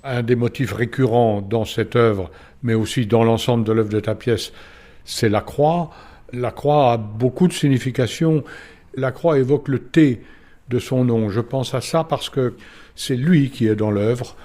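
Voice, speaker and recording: Measured man explaining a work of art. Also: medium pitch, warm tone. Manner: measured, explanatory, pausing between phrases. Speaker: art commentator. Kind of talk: unscripted art commentary.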